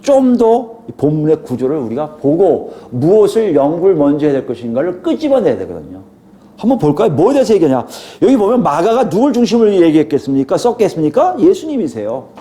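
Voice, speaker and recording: Middle-aged male pastor, high mellow voice, animated preaching with rhetorical questions. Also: a little fast. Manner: animated, acts out quoted scolding with sudden loud jumps. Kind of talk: expository sermon.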